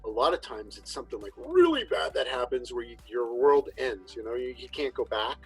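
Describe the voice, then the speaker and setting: A man hosting a casual chat show, talking in a relaxed, rambling way with frequent restarts. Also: mid-range voice, fairly quick, slightly rough, faint music behind, poor audio. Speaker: podcast host.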